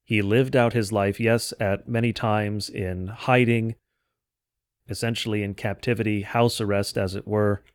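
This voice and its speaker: A man delivering an explanatory history lecture in a measured, didactic way with formal phrasing. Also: lowish voice, flat delivery, clear, resonant tone, no room sound, clean studio sound. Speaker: host of a church history podcast. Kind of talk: explanatory lecture, semi-scripted narration.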